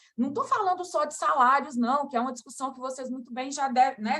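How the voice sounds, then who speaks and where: A woman speaks in a high voice with lively intonation. Her tone is bright and sharp. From Minas Gerais, Brazil. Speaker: federal attorney and law professor. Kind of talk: panel debate talk. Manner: hesitant, many fillers.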